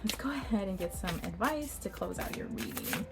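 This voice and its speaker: A woman's voice: medium pitch, wildly swooping pitch, moderate pace, over loud music. Bubbly, giggly woman doing a tarot reading. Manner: bubbly and chatty, laughs often, many "like" fillers. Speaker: tarot card reader. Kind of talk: casual pick-a-card tarot reading.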